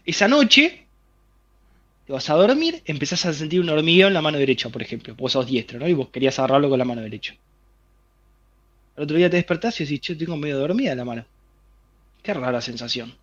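Higher-voiced Rioplatense man explaining vividly. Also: big pitch swings, quick pace, pauses often, fairly bright tone, highs cut off. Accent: Rioplatense Spanish. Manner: explains with vivid hypothetical scenarios, addresses listener directly. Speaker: interviewee explaining a health theory. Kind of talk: animated explanatory interview talk.

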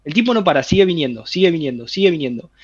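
A man's voice: fairly high pitch, very animated, racing, husky, highs cut off. A man with a Rioplatense Spanish accent, explaining a health theory in an interview through vivid everyday scenarios told straight to the listener. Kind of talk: animated explanatory interview talk.

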